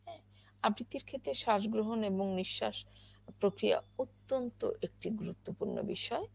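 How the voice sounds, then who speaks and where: A woman giving a spoken lesson on poetry recitation, explaining slowly with many pauses and fillers. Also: mid-range voice, vocal fry, darkish tone, slight background noise. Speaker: recitation teacher.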